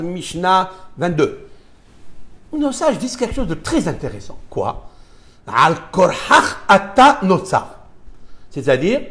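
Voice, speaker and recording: A man teaching a live religious lesson to students, speaking emphatically, firing rhetorical questions and weaving Hebrew terms into his explanations. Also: high-pitched. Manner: mixes Hebrew terms into French. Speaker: rabbi teaching a Torah class.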